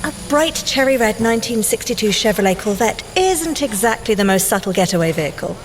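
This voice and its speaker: An actress playing a brainy, dry, teasing young scientist agent in audio drama banter, speaking precisely. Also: female voice, on the high side, lively intonation, brisk, slight background noise, lightly acted. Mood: incredulous, teasing. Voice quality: precise, wry delivery.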